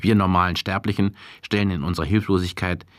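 A man's voice: low voice, fairly even intonation, fast, dry recording, clean studio sound. A man delivering scripted first-person narration for a radio play in a wry, musing manner. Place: studio.

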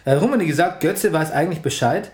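Podcast co-host guy, animated casual chat, bit high, echoey room. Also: fairly quick. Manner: animated, quotes and acts out anecdotes.

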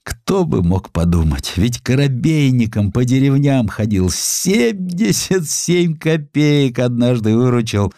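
A man's voice: medium pitch, very animated, takes it slowly, few pauses, mellow, no echo, studio quality, pitched above the performer's own voice. A man voicing an elderly, ailing provincial collector, proud and plain-spoken, with old-fashioned, emotive speech in an audiobook. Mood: moved, wistful.

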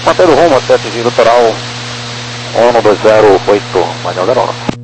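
A man's voice: medium pitch, lively intonation, a little fast. Man pilot talking over a noisy radio. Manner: terse, formal radio phrasing. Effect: over a two-way radio. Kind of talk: radio exchange with air traffic control. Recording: noisy radio transmission with hum.

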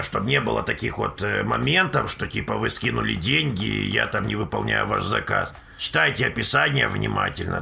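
Gravelly, sharp-voiced profane male streamer. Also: on the low side. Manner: profane, rambling, blunt. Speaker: live streamer. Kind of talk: casual live-stream chat to viewers.

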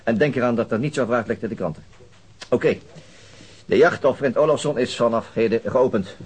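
Man playing a quick, husky police inspector. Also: medium pitch, natural voice. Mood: commanding. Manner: brisk, commanding. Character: brisk male police inspector, leading his team, businesslike. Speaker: actor. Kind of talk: radio drama dialogue.

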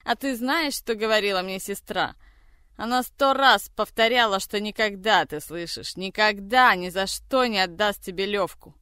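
A reader voicing a furious man who shouts harsh accusations in a tirade for an audiobook. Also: mid-range voice, moderate pace, smooth, no room sound, clean studio sound, lightly acted. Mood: enraged. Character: furious man, a general's grandson, lashing out.

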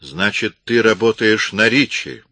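A man voicing a brutal, menacing man who speaks slowly and threateningly. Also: fairly low pitch, sharp tone, dry recording, voice pushed up. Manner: threatening, slow and heavy.

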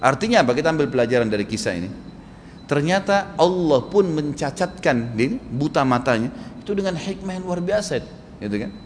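A man's voice: on the high side, expressive, a little fast, a little hiss or hum. A man preaching a sermon, telling a story and acting out its dialogue with animation. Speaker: Islamic preacher. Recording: long hall reverb, faint ambience.

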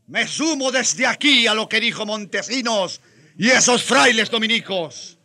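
Fervent high-pitched colonial Christian man. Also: animated, bright, forceful tone, full character voice. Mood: fervent, pleading. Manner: fervent, slow preaching declamation. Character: impassioned colonial Christian man denouncing wrongs against Indians. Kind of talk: radio drama acting.

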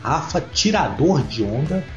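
A young Brazilian man hosting a podcast in a relaxed, easygoing way. The recording is roomy and dull, and faint music plays underneath. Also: on the high side, unhurried. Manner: relaxed, reads listener comments. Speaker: podcast host. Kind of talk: casual chat.

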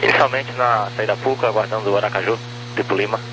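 A man's voice: lowish voice, fairly even intonation, fast talker. A Brazilian man working as an air traffic controller, giving instructions over aviation radio. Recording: humming, noisy radio transmission.

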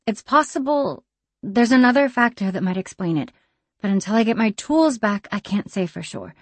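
A woman doing a measured, deadpan tinkerer. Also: medium pitch, dry recording, pitched above the performer's own voice. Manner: careful, measured, slightly formal.

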